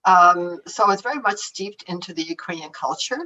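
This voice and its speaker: A woman's voice: fairly low pitch, a little fast, bright, forceful tone. A Canadian woman, an author, chatting casually about her life and books, often laughing and trailing off mid-thought. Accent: Canadian English. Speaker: author answering audience questions. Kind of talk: casual conversational answers. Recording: distant, dull lo-fi remote audio.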